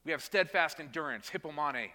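A man preaches a sermon from the pulpit, his voice bright and somewhat high for a man. He stresses key words emphatically, restarts phrases and repeats himself, then sinks to quieter, weightier lines. The sound rings out with long reverb in the church sanctuary. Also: lively intonation, a little fast. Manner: emphatic, with dramatic drops to quiet. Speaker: pastor.

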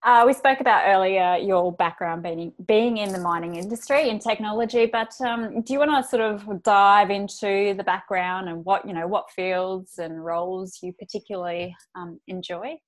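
A woman's voice: medium pitch, moderate pace, few pauses. A woman co-hosting a podcast, upbeat and eager, laughing along with her guest. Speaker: podcast co-host. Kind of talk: casual interview chat.

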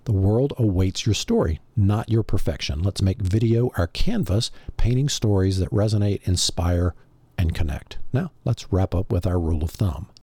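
A man's voice: sits low, expressive, moderate pace, dark tone, a little hiss or hum. A man hosting a podcast with a scripted motivational monologue, addressing the listener directly and rhetorically. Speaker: podcast host.

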